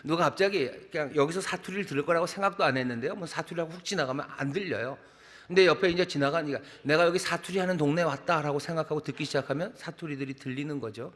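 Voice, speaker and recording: A man's voice: on the high side, fast talker, a bit bright. A middle-aged man, a senior pastor, preaching a sermon in a conversational style, with rhythmic repeated phrases and rhetorical questions. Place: large church sanctuary. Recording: long reverb of a large hall.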